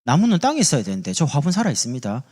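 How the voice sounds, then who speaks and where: Brief: Gyeongsang male pastor preaching, animated pitch, rhetorical questions. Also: racing. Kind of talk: sermon.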